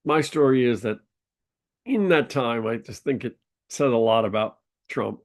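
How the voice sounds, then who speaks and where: On the low side and a little mellow, this man's voice belongs to a podcast host. Nasal and blocked up from a sinus infection, he wanders casually through a story, often filling gaps with um and uh.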